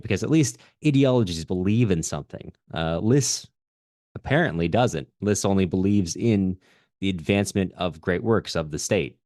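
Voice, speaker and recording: A man hosting a podcast, talking through a book in a conversational, halting way as he thinks aloud. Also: low voice, darkish tone, no echo, clean studio sound. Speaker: podcast host. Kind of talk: conversational literary discussion.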